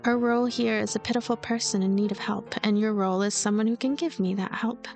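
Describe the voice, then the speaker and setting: A woman's voice: mid-range voice, fairly even intonation, fast, gravelly, a little mellow, soft background music, close to an everyday voice. A woman voicing a cynical, lonely girl who narrates her own visual novel story in a blunt, wry, calculating way. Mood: cool, calculating. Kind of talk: first-person visual novel narration read aloud.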